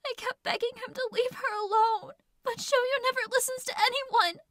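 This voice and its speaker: High, piercing, distraught anime girl. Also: steady tone, moderate pace, a bit bright, dry recording, studio quality. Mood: upset, tearful. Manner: emotional, intense outbursts. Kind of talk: anime-style voice acting demo.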